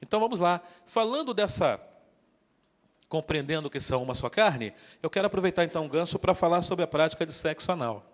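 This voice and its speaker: Joking preacher in a reverberant hall. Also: male voice, on the high side, animated, fairly quick. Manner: joking, interactive, calls out to the congregation. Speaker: guest preacher. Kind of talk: sermon. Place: church hall. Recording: long church hall reverb.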